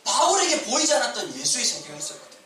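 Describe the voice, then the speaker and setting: A man's voice: very high voice, very fast, slight background noise. A male pastor giving a sermon, telling stories and acting out quotes with animation. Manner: animated storytelling with acted-out quotes. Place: church sanctuary. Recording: echoey church hall, mic at a distance.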